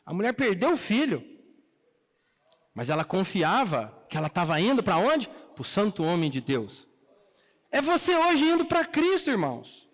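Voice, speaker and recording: Male preacher, Brazilian accent, bright high voice, folksy storytelling sermon, long hall reverb. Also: huge pitch swings, moderate pace. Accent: Brazilian Portuguese. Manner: colloquial storytelling, acting out the characters' lines. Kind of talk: sermon retelling a Bible story. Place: church hall.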